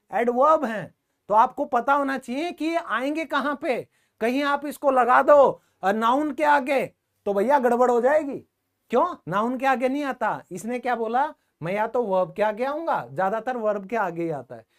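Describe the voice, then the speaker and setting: A man teaching English grammar in a live online class, speaking in a colloquial, jokey way and talking directly to his students. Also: very high-pitched.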